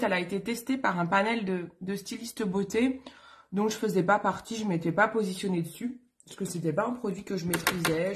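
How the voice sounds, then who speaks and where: A woman chatting casually on a live stream while doing her makeup, rambling with many fillers and self-corrections. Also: medium pitch. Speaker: beauty vlogger on a live stream.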